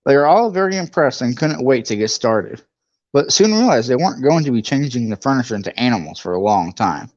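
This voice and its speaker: A man's voice: mid-range voice, animated, fairly quick, darkish tone, dry recording, highs cut off. A man reading a book aloud for a live read-along, chatty, with jokey asides.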